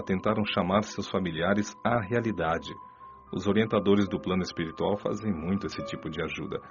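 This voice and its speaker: A man playing a patient, earnest spirit mentor in a radio drama, speaking in a measured, didactic and gently admonishing way. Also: sits low. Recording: dull, muffled audio under clear music. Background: music.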